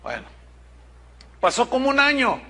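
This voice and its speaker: A middle-aged man with a Mexican accent preaching a sermon, telling a congregation story in a direct, animated way with humorous asides. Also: high voice, moderate pace. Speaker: pastor.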